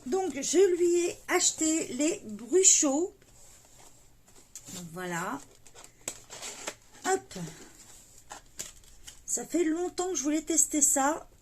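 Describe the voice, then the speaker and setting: A woman unboxes a parcel of coloring books for her haul vlog, chatting casually with plenty of fillers and delighted little exclamations. Her high voice is expressive and a little mellow, and she takes it slowly with frequent pauses.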